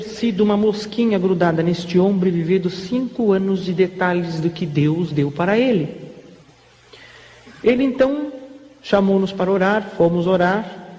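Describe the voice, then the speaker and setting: A man with a Brazilian Portuguese accent telling his conversion testimony, an animated and wry storyteller who acts out the dialogue. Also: high voice. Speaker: church testimony speaker. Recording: dull reverberant hall with faint noise.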